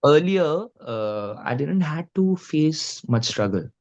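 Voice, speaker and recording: A man's voice: fairly high pitch, animated, takes it slowly, a little mellow, dull audio. A young man with an Indian Punjabi accent, a guest musician talking earnestly and casually, with lots of "you know" and "like". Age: young adult. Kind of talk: casual interview talk.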